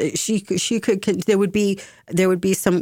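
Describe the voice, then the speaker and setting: A woman with an American accent has a fairly low pitch. The recording is very clean with a silent background. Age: 50s. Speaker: community radio host. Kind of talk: radio commentary. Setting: radio studio.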